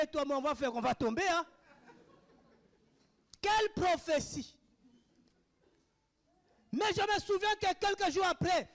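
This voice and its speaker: Very high-voiced, fiery preacher. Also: male voice. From Africa. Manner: impassioned, swings between shouted declarations and hushed asides. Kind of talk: sermon answering questions.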